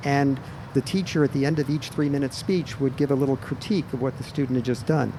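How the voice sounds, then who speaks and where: Over noticeable background noise, a man talks in a fairly high pitch with an American accent. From Texas, El Paso. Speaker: trial lawyer. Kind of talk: casual chat. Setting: recording in a trailer.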